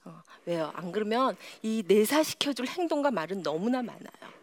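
A woman giving a lively psychology lecture to a live audience, sometimes dropping to a whisper. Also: medium pitch, normal speed, dry recording. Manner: animated, often drops to a whisper.

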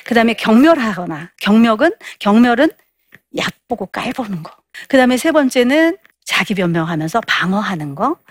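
A woman's voice: a little high, no echo, studio quality. A woman lecturing on marriage communication, asking her listeners questions and acting out quarrels in raised voices. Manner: asks the audience questions.

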